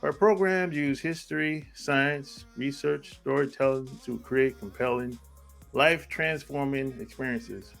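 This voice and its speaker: A man hosting a podcast, reading a guest introduction and chatting in a relaxed way, often answering with a quick "yeah". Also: mid-range voice, vocal fry, soft background music. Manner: relaxed, backchannels with frequent "yeah". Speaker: podcast host. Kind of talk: casual interview conversation.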